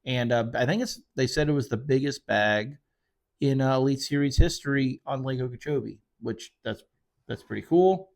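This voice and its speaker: A man's voice: medium pitch, fairly even intonation, moderate pace. A man, hosting casual solo commentary into a microphone, rambling and correcting himself often. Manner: rambling, conversational, with frequent fillers and self-corrections. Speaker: fishing charter guide and show host. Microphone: desk microphone.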